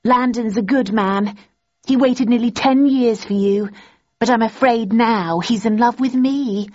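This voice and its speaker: A woman's voice: medium pitch, animated, normal speed, breathy edge, pitched above the performer's own voice. A woman reading an audiobook, voicing a smug, mocking young woman who talks down to her rival. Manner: disdainful, sneering. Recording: dull lo-fi recording.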